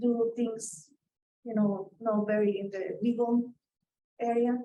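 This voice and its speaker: A woman talks at a very slow pace with a strong Mexican accent. Her tone is dark and mellow, and her intonation monotone and flat. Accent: thick Mexican Spanish. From Mexico. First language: Spanish. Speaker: panelist, immigrant businessperson. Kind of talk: panel discussion. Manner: hesitant, many fillers.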